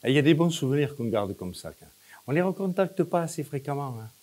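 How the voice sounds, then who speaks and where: A man leading a hypnosis session, giving short, repetitive, coaxing instructions with pauses between phrases. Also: fairly high pitch, very animated, darkish tone. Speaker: hypnosis practitioner leading a demonstration.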